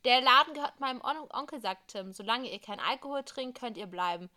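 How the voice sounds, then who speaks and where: Bright lively woman reading a story game. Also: a little high, fairly quick. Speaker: podcast co-host reading an interactive story game aloud. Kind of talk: casual reading of an interactive story with asides.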